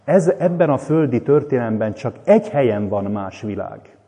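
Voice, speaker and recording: A man's voice: mid-range voice, big pitch swings, warm tone. A male preacher giving an earnest, explanatory sermon commentary. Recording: long hall reverb.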